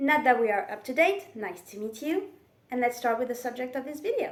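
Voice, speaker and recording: A woman with a French accent, fairly quick pace and very wide pitch swings. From France. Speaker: writer and video creator. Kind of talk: casual vlog talk. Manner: slightly halting, self-correcting.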